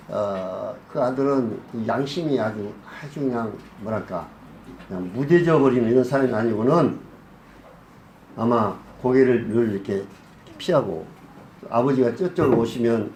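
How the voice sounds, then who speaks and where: Pastor guy preaching, keeps asking the crowd questions, echoey church, a bit of hiss. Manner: asks the congregation questions and answers them himself; acts out scenes with a softer low voice. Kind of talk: sermon. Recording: echoey hall.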